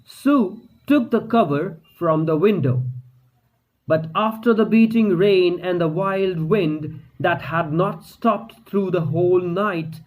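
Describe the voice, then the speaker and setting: Male story narrator, high-ish voice, slow and steady. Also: rough recording. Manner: slow, measured reading. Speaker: story reader. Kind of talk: scripted narration.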